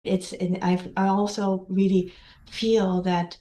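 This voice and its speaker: A woman's voice: medium pitch, level tone, takes it slowly, warm tone, echoey room. A Japanese woman asking questions on a webinar call, hesitant, with many fillers and restarts. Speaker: webinar participant. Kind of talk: casual discussion in a webinar.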